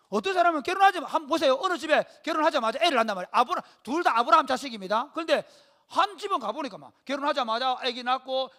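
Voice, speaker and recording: Male pastor, high bright voice, storytelling sermon. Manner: lively storytelling preacher, rhetorical questions to the congregation.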